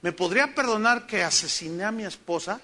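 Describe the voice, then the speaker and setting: A man's voice: high-pitched, brisk, sharp tone. A man voicing a huge, remorseful northern cowboy who has killed people, asking in broken, pleading questions whether he can be forgiven.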